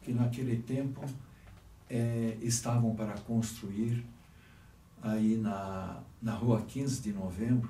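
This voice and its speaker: A man speaks very slowly at a medium pitch, his tone dark, mellow and somewhat breathy, with audible room echo. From Brazil, Paraná (São José dos Pinhais). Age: 70s. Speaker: Marist brother and educator. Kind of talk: oral history testimony.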